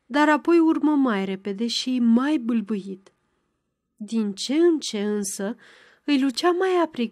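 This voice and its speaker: A woman narrating a novel in a measured storytelling delivery. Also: a little high, darkish tone, no echo, clean studio sound. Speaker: audiobook narrator. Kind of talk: scripted literary narration.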